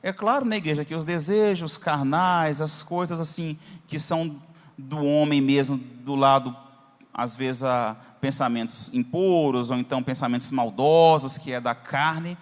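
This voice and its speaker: A Brazilian pastor teaches a Bible class in an easy, conversational way, often pausing to check that the class is following along. His voice sits a little high for a man. The sound carries a long reverb from the church hall. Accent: Brazilian Portuguese. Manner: conversational, asks for verses on screen, frequent "tá?". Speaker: Sunday school teacher, pastor.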